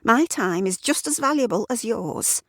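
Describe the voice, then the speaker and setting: A high-strung, irritable wife speaks in a sharp, exasperated voice that sits well above a low speaking range, as a woman reader puts her on. The sound is dry and close. Her lines come clipped and strained. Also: expressive, moderate pace, no room sound. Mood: irritated.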